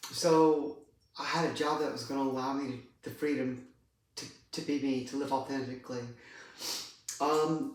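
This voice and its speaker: A middle-aged trans woman telling a personal story in a vlog, halting and hesitant. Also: sits low. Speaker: vlogger. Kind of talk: personal confessional vlog talk. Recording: very echoey room, distant mic.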